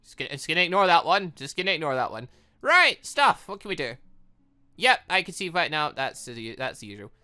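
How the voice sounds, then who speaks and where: A man hosts a gaming video with a bright, punchy voice that jumps around in pitch. He rambles and reasons out loud as he plays, over soft background music. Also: big pitch swings, brisk. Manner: rambling, thinks aloud. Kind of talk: let's-play commentary mixed with reading dialogue aloud.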